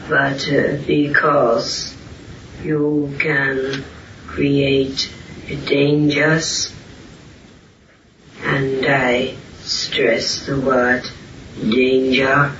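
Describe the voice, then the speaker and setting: A man speaking as a spiritual teacher, answering questions solemnly and deliberately in halting short phrases. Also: mid-range voice, little pitch movement. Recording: roomy, distant, muffled, hissy amateur recording.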